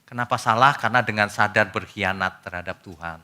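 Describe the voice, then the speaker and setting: A man preaching a sermon as a pastor, talking casually and addressing the congregation directly, with loud emphatic bursts that drop to quiet asides. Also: on the low side, a little fast, smooth.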